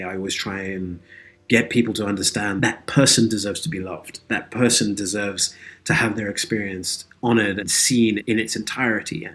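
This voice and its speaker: A man with a fairly low voice speaks as an interview guest. He is earnest and reflective, working through his thoughts in a philosophical, conversational way. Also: fairly bright tone. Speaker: interview guest, audio drama creator and actor.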